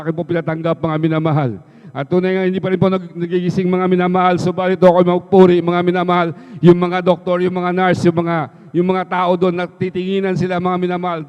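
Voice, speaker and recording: In a church hall, a fast-talking Filipino man with a smooth, high voice shares his testimony as a member of the congregation at a service. Nearly every phrase he utters ends with "mga minamahal." The live stream sound is reverberant and muffled.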